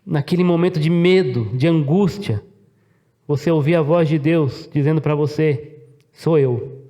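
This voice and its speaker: A middle-aged Brazilian pastor preaching to his congregation. His voice sits a little high for a man, and he keeps turning to the listeners with questions. He acts out the lines of the people in his story. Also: moderate pace, mellow. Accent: Brazilian Portuguese. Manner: rhetorical questions to the congregation, dramatic voiced quotes. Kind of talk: sermon.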